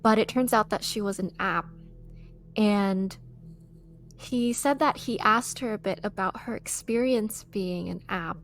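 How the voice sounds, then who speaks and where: A young woman from the United States co-hosts a podcast and tells a ghost story in an easy, chatty way. Her voice sits in the middle range, and faint music plays softly underneath. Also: medium pitch. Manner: relaxed, chatty with light laughs. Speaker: podcast co-host. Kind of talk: casual storytelling.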